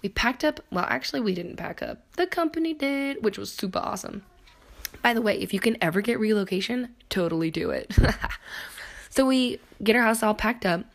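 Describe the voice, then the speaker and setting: Hoarse chatty woman podcast host. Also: a little high, animated, brisk. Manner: chatty, laughs often, goes off on tangents. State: hoarse, voice cracking. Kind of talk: casual solo podcast storytelling.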